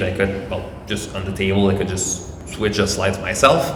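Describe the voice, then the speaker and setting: In a Quebec accent, someone talks at a moderate pace, with audible room echo and noticeable background noise. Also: man. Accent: Quebecois French. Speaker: convention panelist, animator. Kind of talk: convention panel talk. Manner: halting, many fillers.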